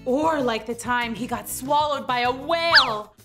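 A woman hosting a children's story time, narrating in an animated storytelling style. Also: high voice, a little slow, loud music behind the voice.

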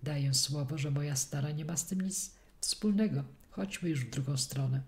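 A woman's voice: sits low, normal speed, creaky, a little mellow. A woman reading the insistent lines of an impatient male office doorkeeper in an audiobook.

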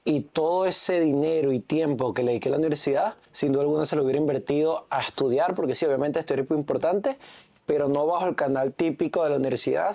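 A man's voice: medium pitch, warm tone. A man in his thirties with a Venezuelan accent, a guest speaking confidently in a casual interview, seated in an office lounge. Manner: confident, talks with his hands. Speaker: entrepreneur guest. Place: office lounge with city view.

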